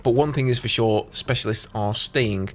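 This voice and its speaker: A man's voice: mid-range voice, normal speed. A man giving casual, conversational gaming news commentary as a YouTuber, explaining things as he goes.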